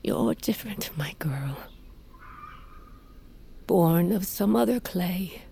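An actress playing a fierce, aging tribal queen and mother in an audio drama, speaking in a grave, measured way and sometimes coughing from sickness. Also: animated, gravelly, warm tone, a little hiss or hum, exaggerated voice. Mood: weary tender. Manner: grave, measured, low storytelling delivery. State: sickly, coughing.

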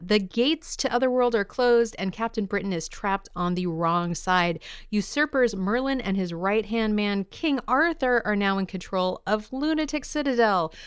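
A woman's voice: on the high side, smooth, dry recording, clean studio sound. A woman co-hosting a podcast, presenting upbeat comic-book news in an enthusiastic, playful, slangy way. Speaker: podcast co-host.

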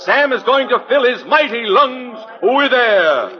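A brash wisecracking pitchman, bright voice, muffled old radio sound with a crowd behind. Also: lively intonation, unhurried. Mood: showy. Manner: brash showman patter. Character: fast-talking wisecracking male street pitchman. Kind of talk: 1940s radio acting. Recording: dull old radio recording with studio crowd.

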